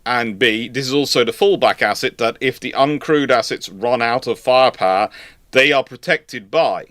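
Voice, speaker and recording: At a moderate pace, a man with a mid-range, fairly bright voice chats casually on a livestream he hosts as a naval historian. He answers viewer questions, rambling and often rephrasing or repeating himself. The audio is studio quality with no echo.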